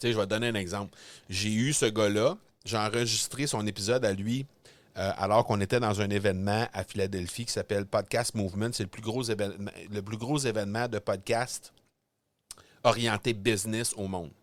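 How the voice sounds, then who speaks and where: In a Quebec accent, a man with a fairly low pitch speaks at a moderate pace in an animated tone on a very clean recording with a silent background. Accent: Québécois French. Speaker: podcast coach and entrepreneur. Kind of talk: interview conversation. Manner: animated, hesitant with repetitions.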